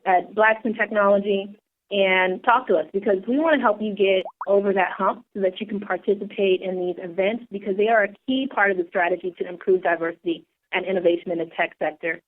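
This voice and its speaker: A woman co-hosting a podcast, reading a guest's bio with earnest enthusiasm and a few halting fillers. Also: medium pitch. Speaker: co-host. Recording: tinny phone-line audio.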